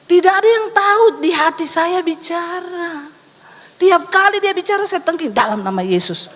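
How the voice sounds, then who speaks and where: A woman pastor preaching an animated sermon, teasing the congregation with rhetorical questions. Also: very high voice, normal speed. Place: large church hall. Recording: long reverb of a large hall.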